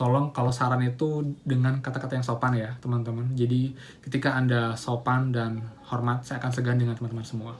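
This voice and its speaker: A man talks at a very fast pace at a medium pitch. His voice is somewhat breathy. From Bali, Buleleng (Singaraja). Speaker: YouTuber. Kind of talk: casual vlog talk to camera. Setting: on camera, face shown.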